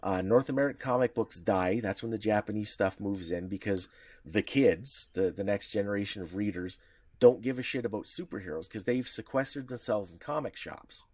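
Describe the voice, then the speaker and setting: A man's voice: fairly low pitch, brisk, a little mellow. A man co-hosting a podcast in casual chat, talking loosely with restarts and the odd swear word. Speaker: podcast co-host.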